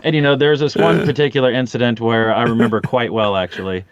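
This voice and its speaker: A man's voice: medium pitch, fairly even intonation, fast. An American man in his fifties telling rambling, joking, sweary stories in a casual podcast chat. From Maryland, USA. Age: 50s. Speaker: podcast guest, voice actor. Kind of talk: comic storytelling in a casual chat.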